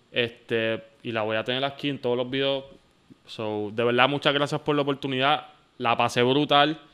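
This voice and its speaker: A man of medium pitch speaks with a Puerto Rican accent at a moderate pace and with fairly even intonation. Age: 20s. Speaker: podcast host. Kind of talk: casual interview.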